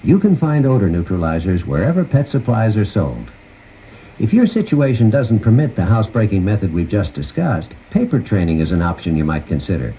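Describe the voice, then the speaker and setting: The host of a puppy training guide tape delivers scripted instructions in a folksy, conversational way. His voice is lowish and warm, brisk, with big pitch swings. The sound is a noisy transfer from a 1990 cassette tape.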